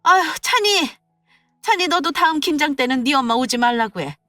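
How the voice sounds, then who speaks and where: A woman's voice: sits high, animated, moderate pace, dry recording, faint music behind, voice pushed up. A woman doing a fierce older mother. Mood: scolding. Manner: coaxing, then sharp and scolding. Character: older mother, fond to her son-in-law, fierce when pushed.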